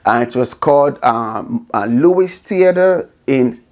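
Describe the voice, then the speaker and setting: A man's voice: mid-range voice, expressive, slow, a little mellow. A man with a Nigerian accent hosting his own podcast, talking earnestly to listeners and often checking in with "okay?". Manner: earnest, repeats "okay?" and "you know" often. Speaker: podcast host. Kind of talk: casual monologue.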